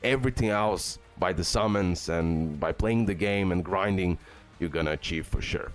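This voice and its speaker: Speaking low and at a moderate pace, a male gaming YouTuber gives an enthusiastic, casual game guide full of filler words, repeatedly saying "guys" and "okay." Faint music plays in the background.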